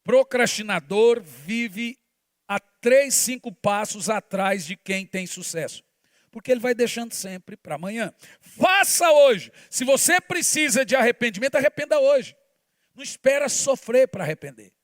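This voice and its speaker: A man, preaching a sermon as pastor, shifting between forceful shouts and hushed asides. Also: very high voice, normal speed, no echo, clean studio sound.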